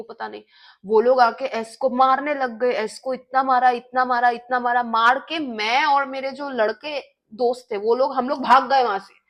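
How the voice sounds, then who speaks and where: High-voiced young woman telling a story. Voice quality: expressive. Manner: mixes English phrases into chatty storytelling. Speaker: vlogger. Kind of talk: casual storytelling.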